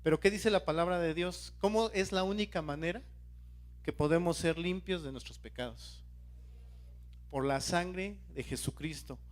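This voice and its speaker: A man's voice: on the high side, normal speed. A man preaching a sermon as a lay preacher, who questions his congregation and keeps calling out to them. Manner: questions the congregation and urges them to stay alert.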